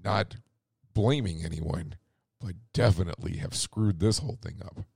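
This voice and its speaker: A man hosts a radio talk show while his voice is going hoarse. His low voice sounds dry and close. He rambles through the news, corrects himself often and drops sarcastic asides. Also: moderate pace, darkish tone, dry recording. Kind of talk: casual news commentary.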